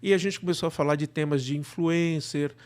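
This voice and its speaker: A man with a Brazilian accent speaking as an interview guest, conversational and halting, repeating words and adding tag questions. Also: fairly high pitch, fairly even intonation, darkish tone. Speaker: interview guest, radio drama producer.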